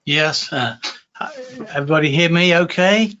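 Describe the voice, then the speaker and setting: A man's voice: on the high side, normal speed, bright, forceful tone, muffled recording. Upbeat man on a webinar call. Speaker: application specialist and trainer. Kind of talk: casual self-introduction on a webinar.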